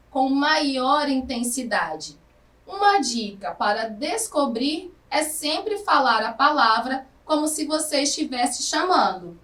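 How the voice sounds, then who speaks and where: A woman teacher with a Brazilian Portuguese accent giving a recorded lesson to adult students, speaking slowly and drawing out her words. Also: high voice, fairly bright tone, far from the mic. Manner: slow, careful, drawn-out words. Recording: echoey room, somewhat off-mic.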